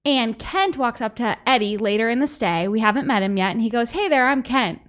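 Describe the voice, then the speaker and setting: A woman hosts a podcast in bubbly, chatty fashion, rattling off anecdotes in quick bursts. Her voice sits a little high, and her talk is casual and loose. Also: expressive. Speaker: host.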